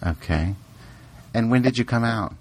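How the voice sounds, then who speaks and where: A male host runs a relaxed interview chat, asking question after question. He laughs easily between them. His voice sits at a middle pitch. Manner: inquisitive, quick to laugh.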